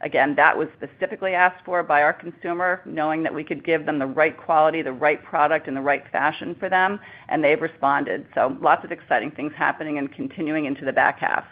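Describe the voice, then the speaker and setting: A woman's voice: low-pitched, fairly even intonation, a little fast, hardly any pauses. A woman speaking as a chief executive on an earnings call, giving upbeat business answers over a narrow phone line. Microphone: conference call line.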